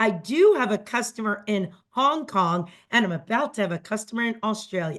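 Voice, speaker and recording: On a very clean recording with a silent background, a woman with a fairly high voice talks at a moderate pace, her tone animated and her intonation lively. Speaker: direct-sales leader, speaker. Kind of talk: sales pitch.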